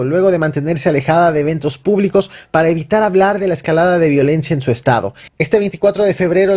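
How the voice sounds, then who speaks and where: Male news narrator, higher-pitched voice, very fast delivery, scripted. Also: darkish tone.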